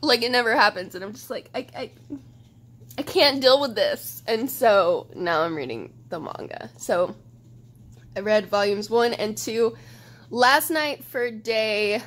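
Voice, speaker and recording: A woman's voice: on the high side, unhurried, a bit bright. Gushing, chatty young woman vlogger. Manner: gushing, swears often, chatty with lots of fillers. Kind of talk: casual chat.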